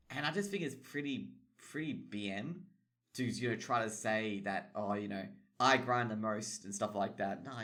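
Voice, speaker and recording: Medium in pitch and fairly bright, the voice belongs to a young Australian esports caster and streamer host. He talks casually about tournament news in a rambling way, full of swearing and filler words.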